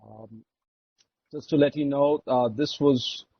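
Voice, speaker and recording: A man with an Indian accent giving a formal, measured and somewhat hesitant executive report on an earnings call. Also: medium pitch, steady tone, slightly rough, dry recording, highs cut off. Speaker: oil and gas executive. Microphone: conference call line.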